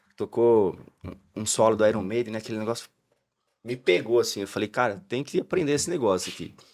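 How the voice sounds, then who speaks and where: A man with a medium pitch and ordinary pitch variation talks at a moderate speed on a very clean recording with a silent background. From Campo Grande, Mato Grosso do Sul, Brazil. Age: 30s. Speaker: business owner. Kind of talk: podcast interview. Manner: halting.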